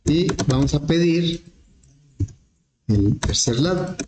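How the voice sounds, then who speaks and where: A man's voice: fairly high pitch, slow. Man teaching a programming class. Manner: relaxed, explains step by step with fillers. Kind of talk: programming lesson. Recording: echoey classroom with faint noise.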